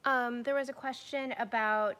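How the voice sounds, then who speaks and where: Bright-voiced woman reading viewer questions. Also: fairly high pitch, steady tone, normal speed. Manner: reads chat questions aloud, conversational. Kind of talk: casual live Q&A.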